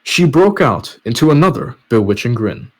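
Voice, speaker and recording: Expressive male story narrator. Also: mid-range voice, normal speed, breathy edge. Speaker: podcast host and narrator. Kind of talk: story narration with casual asides.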